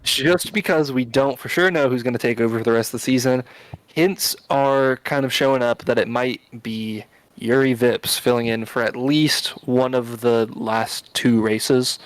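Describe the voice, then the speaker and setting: A man hosting a casual podcast, thinking out loud with plenty of fillers and restarts. His voice sits at an ordinary middle pitch and is recorded close and dry, with no room sound behind it. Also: steady tone, moderate pace, no echo, low-quality recording. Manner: rambling, filler-heavy explaining. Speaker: podcast host. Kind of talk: casual chat.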